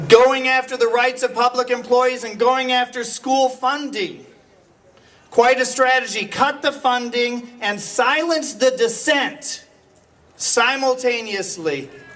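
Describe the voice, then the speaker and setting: A man at an extremely high pitch, very slow pace and fairly even intonation, over noticeable background noise. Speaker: teacher and union leader. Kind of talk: rally speech. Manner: loud, rousing.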